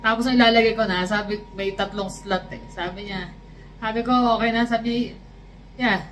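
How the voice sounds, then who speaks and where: Filipina vlogger, casual storytelling, animated, faint background ambience. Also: female voice, medium pitch, brisk, slight background noise, rough recording. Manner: animated storytelling, switching into English quotes. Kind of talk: casual chat.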